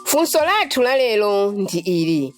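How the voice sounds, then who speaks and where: Female radio presenter, Malawian accent, scripted announcing, lively intonation, medium pitch, soft music bed. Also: moderate pace.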